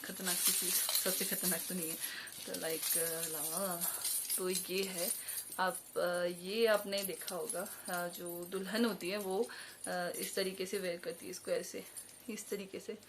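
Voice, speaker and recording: A woman's voice: lowish voice, little pitch movement, unhurried. A young woman vlogging at home, chatty and hesitant, with many fillers and self-corrections. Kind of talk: casual show-and-tell vlog. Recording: noisy home recording. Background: jingling jewellery and bells.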